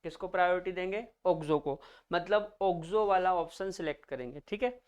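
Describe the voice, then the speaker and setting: A man's voice: high-pitched, moderate pace, darkish tone, smooth. A male chemistry teacher giving a classroom lecture, naming each term, then asking students to repeat it back, calling them children.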